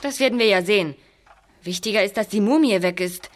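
A man's voice: high voice, fairly quick, close to an everyday voice. A young man playing a matter-of-fact, easily indignant teenage boy detective in a German audio drama. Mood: firm.

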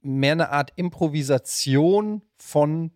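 A man's voice: on the high side, slow, a little mellow, dry recording. Male podcast host. Informal, keen, slangy, close dry sound. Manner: enthusiastic, informal with English slang. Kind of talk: casual podcast chat.

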